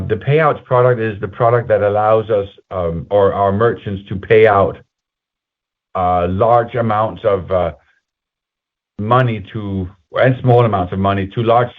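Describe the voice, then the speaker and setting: A man presenting company results on a conference call in a halting, conversational, explanatory way, as an executive speaking to investors. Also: fairly low pitch. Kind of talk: semi-scripted earnings call presentation. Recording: muffled phone-like conference call line.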